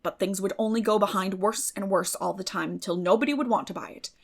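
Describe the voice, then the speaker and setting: A woman's voice: medium pitch, fairly even intonation, fast, vocal fry. A woman voicing a weary, bitter older farm woman in an audiobook, speaking in plain rural phrases with sad resignation. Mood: sorrowful, resigned. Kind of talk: dramatic audiobook reading.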